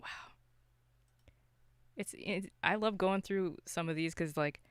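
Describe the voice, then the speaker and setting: A podcast host chatting casually about films and games in an animated, self-interrupting way with some mild swearing. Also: mid-range voice, slow pace, clear, resonant tone, dry recording. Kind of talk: casual film and game discussion.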